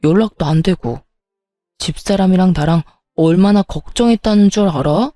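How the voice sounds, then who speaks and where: A woman's voice: on the low side, moderate pace, warm tone, dry recording, faint music behind, lightly acted. A woman voicing a worried, exasperated young husband in a narrated story, speaking in a flustered, scolding way.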